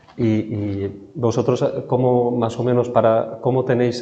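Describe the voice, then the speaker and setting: A soft-spoken man talks with fairly even intonation, with audible room echo and noticeable background noise. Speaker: tax advisor. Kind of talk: talk at a seminar. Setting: hotel conference room with audience, microphone. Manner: halting.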